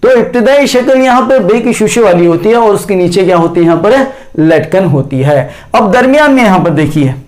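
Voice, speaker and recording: A man's voice: high-pitched, animated, normal speed, darkish tone. A man teaching a grammar lesson, spelling words out syllable by syllable and asking himself questions as he goes. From India.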